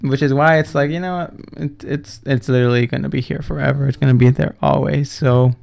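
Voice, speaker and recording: Speaking a little fast with a creaky, slightly mellow voice at medium pitch and fairly even intonation, a man around twenty hosts a solo podcast. His casual monologue is rambling and profane, with frequent self-corrections and laughter.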